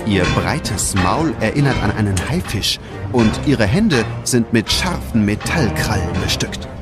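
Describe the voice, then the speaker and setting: A man's voice: lowish voice, animated, unhurried, music in the background. A man narrating a scripted children's story in a dramatic storytelling manner.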